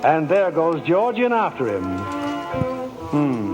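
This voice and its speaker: A man's voice: fairly high pitch, big pitch swings, takes it slowly. A man playing a dramatic storytelling narrator in a 1940s-style radio play. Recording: dull live stage sound. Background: loud music.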